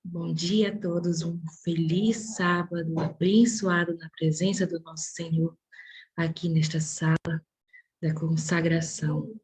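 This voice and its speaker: A woman's voice: fairly low pitch, flat delivery, a little slow, a little mellow, rough recording. A woman with a Brazilian accent hosting an online devotional, reading and greeting the congregation. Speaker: co-host of online prayer meeting.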